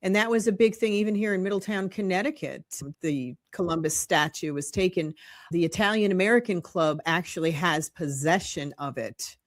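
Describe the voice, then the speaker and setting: Woman host, somewhat low voice, asks friendly leading questions in an interview. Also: moderate pace.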